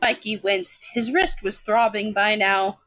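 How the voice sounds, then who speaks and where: A woman's voice: medium pitch, steady tone, measured pace, a bit bright, no echo. A woman reading fanfiction aloud and correcting others on the show's lore, with frequent giggles. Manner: giggly, lore-savvy narration. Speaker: reader and co-host.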